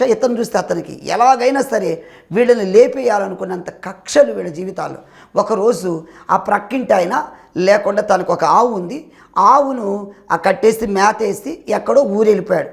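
A man's voice: high voice, vocal fry. A male pastor preaching a sermon with fervent, rising appeals to his listeners.

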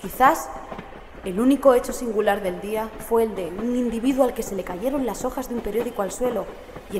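A woman's voice: fairly high pitch, close to an everyday voice. A woman playing the uneasy narrator of a horror tale, reading in a dramatic first-person audiobook style. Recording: echoey, clear train ambience noise behind. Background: metro train ambience.

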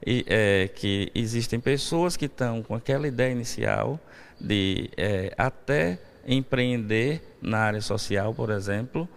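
Man, 40s, professor, gravelly voice, hesitant fillers, handheld mic outdoors. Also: medium pitch, measured pace. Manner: explanatory, many fillers like "né" and "é". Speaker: university professor, event coordinator. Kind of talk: live TV interview. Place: outdoors on a university campus. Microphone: handheld reporter mic.

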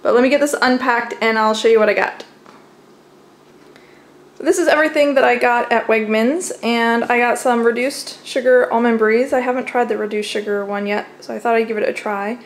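A young adult American woman chattily narrates a casual home vlog from her kitchen, showing off groceries. Her voice is a little high, steady in tone and brisk. It's recorded on a camera mic, and the home audio is clearly noisy.

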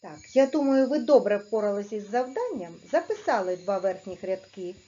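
A woman teaching a video lesson to young pupils, speaking clearly and patiently and sounding out letters and syllables. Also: mid-range voice, sing-song, warm tone, lo-fi sound. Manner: slow, clear, patient dictation-like instruction. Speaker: primary school teacher.

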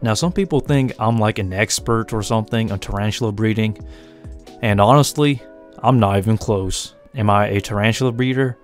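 The host of a tarantula-breeding channel, a young American man with a deep voice, talks through his hobby video at a moderate speed in a relaxed, rambling, self-deprecating manner. He has a slight Asian-tinged lilt in his accent, something he notes himself. The narration was recorded separately from what's on screen, with soft music faintly underneath.

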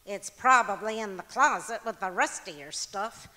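A woman's voice: medium pitch, expressive, unhurried, bright, forceful tone. A woman playing a wry, exasperated, bossy wife in an old-time radio comedy. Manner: wry, scolding. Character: exasperated, teasing wife, bossy but fond. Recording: echoey auditorium stage.

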